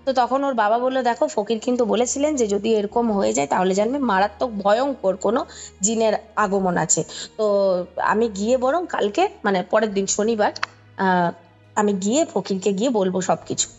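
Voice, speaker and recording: A woman's voice: mid-range voice, normal speed, a little mellow, dull audio, soft background music. A woman with a Kolkata Bengali accent recounting a story conversationally, explaining as she goes and checking in with the listener. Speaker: podcast guest recounting a ghost story.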